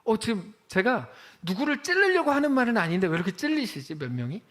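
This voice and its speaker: A man preaching in church, his voice sitting a little high for a man and swinging widely in pitch as he tells the story. He acts out the quoted lines and exclaims in disbelief. It is a pastor's sermon delivered with lively storytelling. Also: a little fast.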